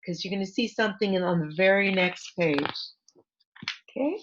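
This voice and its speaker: A woman author reading her picture book aloud to children in an expressive storytime manner, with asides to point things out. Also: mid-range voice, moderate pace, dull audio, slight background noise. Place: online library event.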